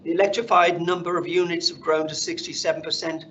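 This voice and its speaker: A man speaking as a company finance executive, presenting slides on an earnings call in a measured corporate delivery. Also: a little high, little pitch movement, fairly bright tone. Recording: dull conference call audio, faint noise.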